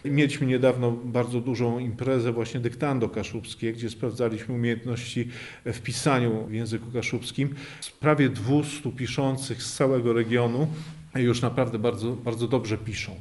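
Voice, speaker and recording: Guy from kashubia explaining language stuff, normal middle voice, lots of little uhs, keeps it lively. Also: medium pitch, normal speed. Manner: lively explainer with frequent hesitation fillers. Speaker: poet and Kashubian language activist. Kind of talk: explanatory interview answer.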